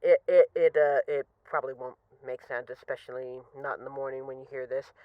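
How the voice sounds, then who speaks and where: A woman's voice: extremely low pitch, steady tone, fairly quick, no echo, lo-fi sound. A woman acting as a bored, restless mafia boss who misses a partner, talking in a wry, dramatic, rambling way in an intimate voice-message roleplay. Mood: sleepy, awkward.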